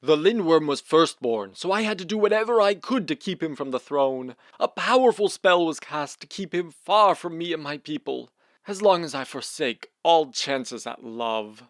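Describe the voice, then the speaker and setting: Guy acting a guilty royal brother, defensive n dramatic, pitch swings a lot, dry close recording. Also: animated, moderate pace, no room sound, close to an everyday voice. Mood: pleading, self-justifying. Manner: dramatic, self-justifying. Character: defensive, guilt-ridden royal brother in a fairy-tale kingdom. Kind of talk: audio fiction comedy acting.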